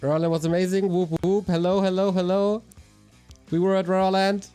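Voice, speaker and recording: A man with a hoarse voice, casting a live strategy game match in an energetic, chatty way while thanking viewers. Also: sits high, normal speed, faint music behind. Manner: energetic, chatty, talks to chat. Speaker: esports caster. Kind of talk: live game commentary with chat shout-outs.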